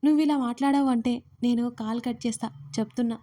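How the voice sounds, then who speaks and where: A woman voicing a shy, nervous young bride in an audio story, speaking softly. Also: on the high side, steady tone, fairly quick, lightly acted. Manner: soft, shy.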